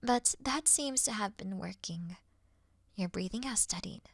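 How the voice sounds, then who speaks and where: A woman playing an earnest, awkward moth girl in a sleep-aid roleplay, soft and often whispering, with a gentle, slightly formal manner. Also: mid-range voice, lively intonation, measured pace, gravelly, no room sound. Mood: gently rambling.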